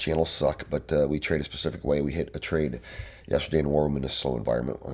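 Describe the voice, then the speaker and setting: Very fast, a man talks with a very deep, low pitch and vocal fry. His intonation stays fairly even. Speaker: trading livestream host. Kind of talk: live market analysis stream. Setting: live stream reading viewer comments. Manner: casual, halting with fillers.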